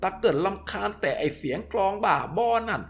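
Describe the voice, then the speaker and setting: Guy doing a gruff old jungle tracker, high slow grumble, rustic, faint music behind. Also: animated, fairly bright tone. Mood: grumbling.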